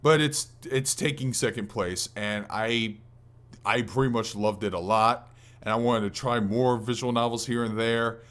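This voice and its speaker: A man's voice: mid-range voice, steady tone, unhurried, a bit bright. A man hosting a gaming podcast, talking in an informal, rambling way with casual swearing. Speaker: podcast host.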